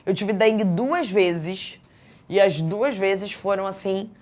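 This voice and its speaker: A Brazilian woman teaching an exam prep class in a chatty, lively way, often checking in with her students. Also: medium pitch, takes it slowly. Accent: Brazilian Portuguese.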